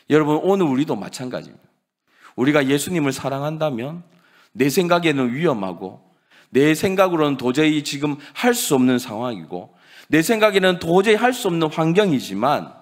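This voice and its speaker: Dramatic male pastor preaching. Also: mid-range voice. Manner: dramatic preaching that swings from loud to hushed. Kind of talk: sermon.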